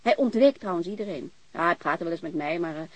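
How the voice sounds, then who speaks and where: An actress playing a blunt, warm-hearted, talkative landlady in a naturalistic radio drama, informal and frank. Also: fairly low pitch, lively intonation, quick pace. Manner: informal, chatty, frank, mild swearing.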